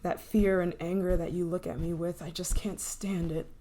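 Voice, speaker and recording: A woman's voice: on the low side, flat delivery, dark tone, a little hiss or hum, lightly acted. A woman playing an obsessive, menacing scientist in an intense, possessive ASMR roleplay. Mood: tense, hushed. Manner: intense, pleading, possessive, dramatic pauses. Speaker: voice actor in audio roleplay.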